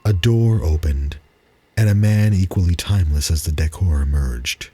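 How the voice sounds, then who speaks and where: A man giving a dramatic reading of a spooky story, deliberate and suspenseful, with dramatic pauses. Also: low voice, dark tone, slight background noise.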